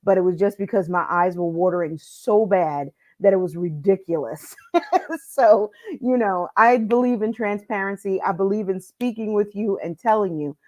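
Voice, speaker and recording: A woman's voice: medium pitch, moderate pace, a little mellow, highs cut off. Upbeat woman life coach, middle-aged, streaming live, voice a bit heavy from allergies. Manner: upbeat, addresses viewers directly. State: congested from allergies.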